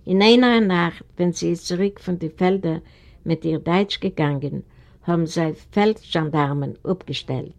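A woman from Eastern Europe reading a novel aloud in a steady, deliberate way. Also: on the low side. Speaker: audiobook reader. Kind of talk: storybook narration.

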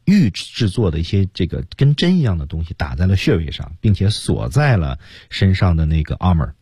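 A man runs an English pronunciation lesson on the radio. His low voice is husky and swings widely in pitch as he acts out the lines. The sound is dry and close. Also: fairly quick, no echo. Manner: animated, demonstrates lines with voice shifts.

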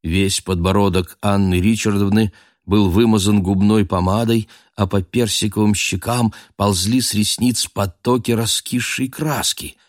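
A man narrating a literary audio drama in a measured storytelling manner. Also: fairly low pitch, steady tone, no echo, clean studio sound.

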